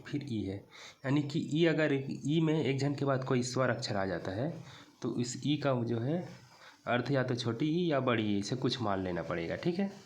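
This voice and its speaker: A man, teaching an English lesson at an unhurried pace in a mid-range voice. He reads each English line very slowly before explaining it. He checks in with a rising "theek hai" after every point. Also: mid-range voice. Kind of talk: classroom lesson explaining a poem.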